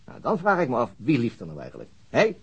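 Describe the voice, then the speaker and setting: A man's voice: mid-range voice, huge pitch swings, fast, breathy edge, highs cut off, exaggerated voice. An actor playing a methodical, slightly weary police detective in a radio drama, hesitating as he thinks aloud. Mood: explaining, pondering. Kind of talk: naturalistic radio drama acting.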